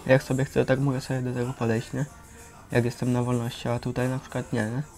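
A man's voice: mid-range voice, monotone, fast. A young man chatting casually in an interview, colloquial and full of tag questions. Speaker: youth centre resident. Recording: loud music over the voice.

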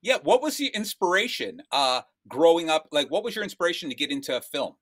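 A man's voice: on the high side, fairly quick. A man in his fifties co-hosting a video-call show, telling a joke and chatting with guests. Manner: animated storyteller. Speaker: co-host. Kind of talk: joke telling and casual interview chat.

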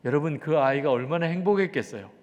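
A man, a pastor, preaching a sermon and telling a story, acting out prayers with sudden loud outbursts and soft drops. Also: fairly high pitch, fast. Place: church sanctuary. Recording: church hall reverb.

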